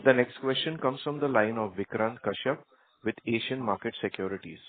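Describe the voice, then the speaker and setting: A man's voice: medium pitch, a little fast. A man making scripted announcements as a conference call operator. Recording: narrow phone-line audio.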